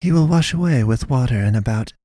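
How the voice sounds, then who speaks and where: A man reading a story, voicing a stern foreign woman pastor who hunts monsters, speaking slow, blunt, broken sentences. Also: mid-range voice, animated, warm tone, no room sound, studio quality, pitched above the performer's own voice, close to an everyday voice. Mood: grave. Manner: broken grammar, blunt, measured.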